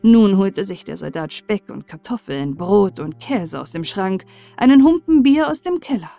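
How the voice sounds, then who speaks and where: A woman narrating a fairy tale as a bedtime audiobook, with measured, expressive storyteller delivery. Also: mid-range voice, gravelly, dry recording, soft background music.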